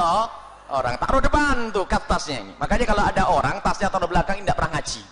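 A man preaching a religious lecture to an audience, answering questions and acting out little scenes as he goes. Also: sits high. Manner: animated, acts out little scenes, laughs. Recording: reverberant hall with audience.

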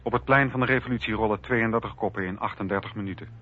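A man's voice: fairly low pitch, fast talker, husky. A man narrating a scripted historical documentary drama for radio. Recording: dry, slightly dull radio recording.

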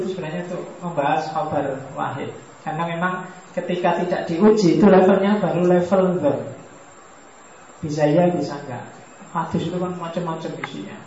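A man teaches in a mosque hall, keeping the talk loose and joking and turning questions back to the listeners. His voice sits a little high and reaches the mic from a distance. Strong hall echo and a faint hiss hang around every word. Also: lo-fi sound. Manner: relaxed, joking, questions the audience. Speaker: philosophy lecturer. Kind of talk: religious study lecture.

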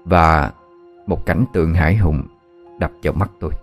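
A man reading a scripted horror story in a steady, somber way. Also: very deep voice, normal speed, soft background music.

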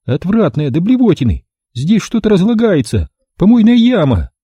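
A male narrator voicing a hysterical young woman who squeals, scolds and pleads in a shrill voice. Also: sing-song, moderate pace, dark tone, breathy edge, no echo, clean studio sound, heavily acted. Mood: disgusted.

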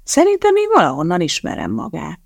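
A sharp-minded young female chemist, voiced by an audiobook reader talks in a brisk, emphatic, no-nonsense way. The gravelly voice is close to the mic in a dry space. It is a storybook reading. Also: medium pitch, huge pitch swings, no room sound, exaggerated voice. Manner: brisk and emphatic, calling out loudly.

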